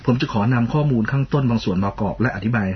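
A man co-hosting a radio talk show in a polite, measured, formal way, often reading out a list of titles. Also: medium pitch, husky, highs cut off. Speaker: radio co-host.

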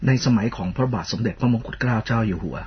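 A man co-hosting a radio talk show in a polite, measured, formal way, often reading out a list of titles. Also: medium pitch, lively intonation, dull audio, a little hiss or hum. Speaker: radio co-host.

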